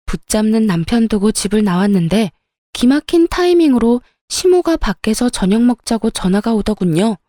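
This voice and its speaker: A woman's voice: on the high side, sing-song, normal speed, mellow, no echo, studio quality. A woman narrating a real-life story in a confiding, indignant storytelling manner.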